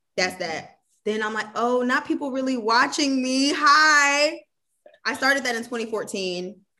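A woman with an American accent projects her raised voice at a fairly slow pace. Her high pitch is bright and sharp in tone, with ordinary pitch variation. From Flint, Michigan. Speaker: attorney and content creator. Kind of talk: casual interview.

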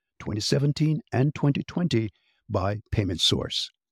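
With lively intonation and a somewhat breathy quality, the voice moves at a moderate pace in a dry, close, echo-free sound on a very clean recording with a silent background. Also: man. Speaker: podcast host. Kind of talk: podcast interview.

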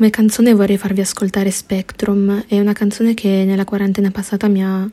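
A woman at medium pitch uses a dark, mellow tone and monotone, flat intonation. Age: young, 19. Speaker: design student. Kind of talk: personal testimony.

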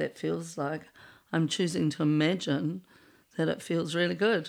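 Vocal fry marks fairly slow speech in a very clean recording with a silent background. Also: woman. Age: 50s. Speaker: terminally ill cancer patient. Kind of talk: interview. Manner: halting.

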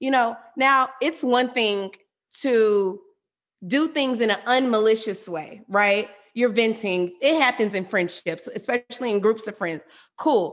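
Speaking at a fairly high pitch and fairly slow pace, a woman sounds animated, with ordinary pitch variation. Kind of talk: casual chat. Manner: loud, animated.

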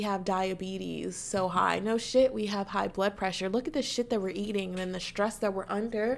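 A woman with an American accent speaks in an unremarkable speaking voice at a medium pitch, with ordinary pitch variation. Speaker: podcast co-host. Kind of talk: casual podcast conversation. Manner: conversational, laughs often.

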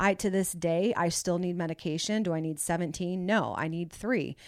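A woman with an American accent speaks in a plain, everyday voice, fairly low-pitched for a woman, with fairly even intonation, on a very clean recording with a silent background. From US South, Atlanta. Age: 40s. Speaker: podcast guest sharing mental health story. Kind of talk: casual interview.

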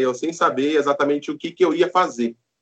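A man at a moderate pace with lively intonation. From São Paulo city, Brazil. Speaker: security company manager. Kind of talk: casual interview chat.

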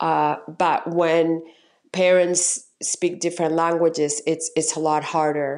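Very slow, monotone, flat speech in a Spanish accent, with very even loudness and a quiet background. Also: woman, fairly low pitch for a woman. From Puerto Rico. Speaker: author and parenting blogger. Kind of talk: interview. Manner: halting, many fillers.

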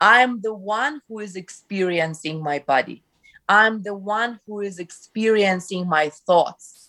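A woman's bright, sharp voice at a medium pitch, in a Ukrainian accent, very slow, with big swings in loudness. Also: ordinary pitch variation. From Ukraine. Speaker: spiritual podcaster and poet. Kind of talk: casual chat.

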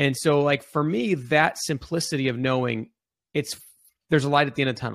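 A man with a plain, everyday voice, fairly high in pitch, at a fairly quick pace with fairly even intonation. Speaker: podcast host. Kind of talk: podcast interview.

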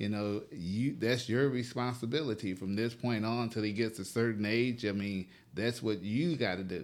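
A man with an American accent and a normal speaking voice talks at a moderate pace and a medium pitch, with ordinary pitch variation and hardly any pauses. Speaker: retired police officer. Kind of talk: casual chat.

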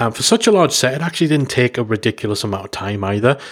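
A man speaks with a British accent. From Britain. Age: adult. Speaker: podcast host. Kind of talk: solo review monologue. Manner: casual, hesitant with fillers.

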